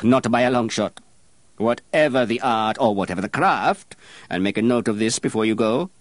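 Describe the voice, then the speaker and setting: A man's voice: on the low side, no echo, voice pushed up. A man voicing a stern, pompous master perfumer who lectures and scolds a young apprentice. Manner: haughty, lecturing, rising to shouts.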